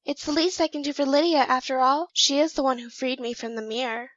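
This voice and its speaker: A woman's voice: high voice, fairly quick, a bit bright, no echo, dull audio. A woman playing a quirky, scheming mirror clone with theatrical manner in an amateur audio drama. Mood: awkward. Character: mirror-born female clone, quirky aspiring world conqueror.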